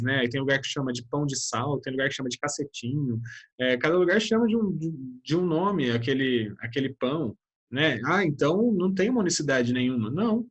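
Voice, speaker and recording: A man's voice: a little high, slightly rough. A man with a Brazilian accent teaching an online lesson, chatty and always checking in with his students. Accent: Brazilian Portuguese. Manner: chatty, keeps addressing the class with tag questions.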